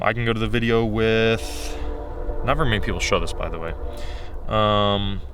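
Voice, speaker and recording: A man talking in a casual, unscripted vlog style, candid and rambling as he thinks aloud, his voice getting a little hoarse. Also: lowish voice, fairly bright tone, a little hiss or hum. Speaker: video creator.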